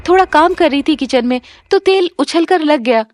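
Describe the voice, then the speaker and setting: A woman voicing a gentle, pleading young stepdaughter in an animated story. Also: sits high, moderate pace, dry recording, clean studio sound, voice pushed up. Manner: pleading, soft-spoken.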